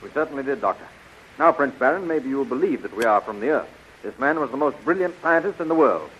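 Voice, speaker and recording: A man's voice: mid-range voice, animated, fast talker, a bit bright, lightly acted. Brave young adventure hero, played by a man, earnest and urgent, muffled hissy 1930s radio recording. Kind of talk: 1930s radio serial acting.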